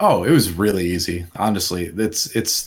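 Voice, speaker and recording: A man with an Upper Midwest accent speaks with ordinary pitch variation. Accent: Upper Midwest American. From US Midwest, rural Wisconsin and Minnesota. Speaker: esports shoutcaster. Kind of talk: interview. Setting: online voice call.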